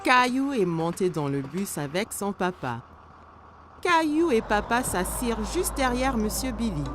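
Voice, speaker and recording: A woman's voice: mid-range voice, big pitch swings, a little slow, slight background noise. A woman reads scripted children's story narration for a cartoon.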